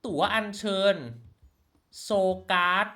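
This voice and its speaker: A man giving casual commentary while redeeming codes in a mobile game, chatting along and thinking aloud with quick excited exclamations. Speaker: mobile game channel host.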